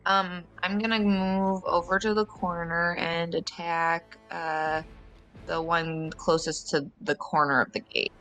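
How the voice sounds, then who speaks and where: A woman's voice: fairly low pitch, flat delivery, unhurried, a bit bright, soft background music. A woman playing a tabletop roleplaying game, speaking casually and a little hesitantly. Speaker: player.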